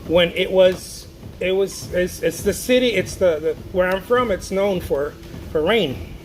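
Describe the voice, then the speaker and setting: An artist from Mexico hangs out on a livestream, reading viewer comments aloud and rambling with plenty of restarts. His voice sits high and his pace is measured, with noticeable noise in the background.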